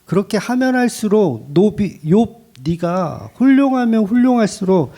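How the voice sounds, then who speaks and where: A man voicing God as a stern, mocking figure who scolds a proud man with sharp, taunting questions. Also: high-pitched, very animated, measured pace, voice pushed up, full character voice. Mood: scolding.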